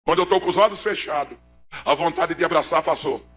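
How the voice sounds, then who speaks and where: A Pernambucan man preaching his own testimony, his voice a touch high for a man. He swings from quiet, low passages to shouted peaks, with faint music under him. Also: brisk. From Pernambuco, Brazil. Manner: dramatic, swings from hushed to shouting. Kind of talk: emotional church testimony.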